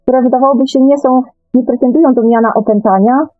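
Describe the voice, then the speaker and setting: A woman's voice: high-pitched, fairly even intonation, quick pace, dry recording, faint music behind. A woman speaking reflectively as a guest in a conversational radio discussion, repeating words and adding tag questions. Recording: thin phone-like line.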